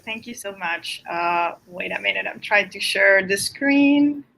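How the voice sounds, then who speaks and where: A woman professor from Colombia presents on an online panel in a bright, clear voice. She sounds a little flustered and fills her pauses with "uh". It sounds like a video call. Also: mid-range voice, expressive, poor audio. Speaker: assistant professor.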